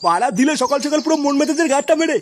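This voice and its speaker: A man voicing a grumpy, crude old grandfather in a comedy cartoon, with a pitched-up voice. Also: very fast, slight background noise. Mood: angry, scornful. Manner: scolding, dismissive, crude. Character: grumpy, foul-mouthed old grandfather and husband. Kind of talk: comic cartoon dialogue. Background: faint music.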